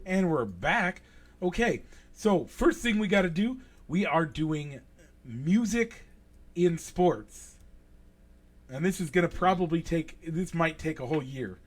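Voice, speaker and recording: A man hosting a casual sports podcast, upbeat and energetic, his voice a little raspy from allergies. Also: fairly high pitch, a little slow. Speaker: podcast host.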